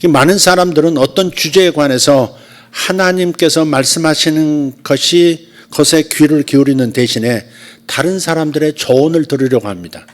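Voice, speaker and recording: Speaking at a church service, this male pastor preaches in a conversational way, sharing stories and shifting from loud to quiet. His voice sits a little high.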